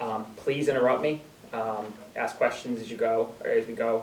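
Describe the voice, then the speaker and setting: Both noticeable background noise and audible room echo accompany a man's speech. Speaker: airport planning consultant. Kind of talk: presentation at board meeting. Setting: public board meeting. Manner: frequent filler ums.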